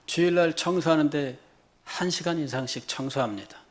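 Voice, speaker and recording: Man, middle-aged, pastor, fairly high voice, fervent sermon, hushed lows and loud high climaxes, repeated rhetorical questions. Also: normal speed. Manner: impassioned preaching, swinging from quiet low lines to loud high exclamations; repeats phrases and asks rhetorical questions of the congregation.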